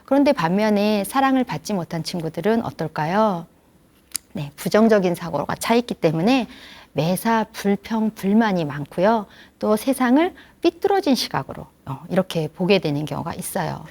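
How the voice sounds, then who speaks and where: A woman lecturing grandparents in a gentle, explanatory way, often asking the audience questions. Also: medium pitch, big pitch swings, moderate pace.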